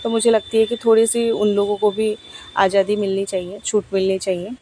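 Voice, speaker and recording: A woman in her thirties, a vlogger, doing a chatty, rambling voice-over for her vlog, talking quickly. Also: mid-range voice, flat delivery, mellow, slight background noise, poor audio. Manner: chatty, rambling, talks fast.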